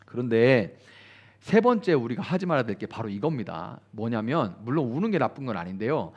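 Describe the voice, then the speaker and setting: A man's voice: brisk, dull audio. A male pastor preaching a sermon at a midweek prayer service, acting out the voices of the people he quotes. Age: adult, grew up attending church retreats. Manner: animated, acts out quoted voices with big pitch swings.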